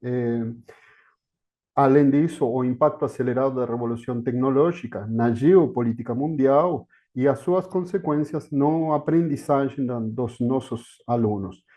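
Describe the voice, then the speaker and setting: A man's voice: medium pitch, moderate pace, mellow. A man from Argentina with an Argentine Spanish accent, giving an academic talk as a guest historian over a video call, hesitant and full of fillers. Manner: hesitant, with many fillers and restarts. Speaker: guest speaker, historian of education.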